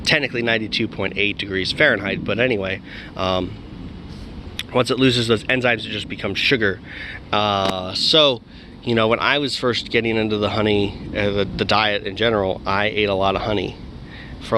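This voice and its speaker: A man's voice: fairly low pitch, pushed and bright, slight background noise. Rambling man in a casual outdoor vlog. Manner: rambling, many fillers and restarts. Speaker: diet vlogger.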